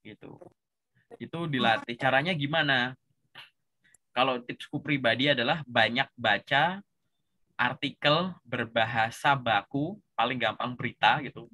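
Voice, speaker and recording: Bright-voiced Javanese-accented man coaching. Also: mid-range voice, measured pace, pauses often. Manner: relaxed, chatty, says "gitu" constantly. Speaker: career coach. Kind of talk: casual coaching session.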